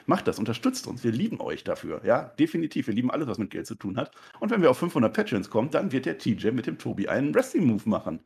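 A man's voice: mid-range voice, gravelly. A man co-hosting a wrestling review podcast, joking and chatty in casual talk. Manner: joking, quick and animated. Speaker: podcast co-host. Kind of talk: casual chat.

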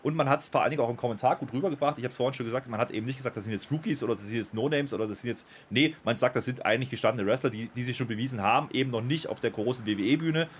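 A man reviewing a wrestling show in casual podcast chat, thoughtful, with many pauses and restarts. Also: mid-range voice, a little hiss or hum.

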